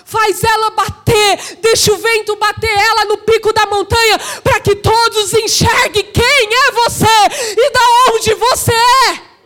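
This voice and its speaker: Fervent high-voiced woman preaching. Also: level tone, unhurried, faint music behind. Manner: fervent, often shouting, with repeated rhetorical questions. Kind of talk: sermon.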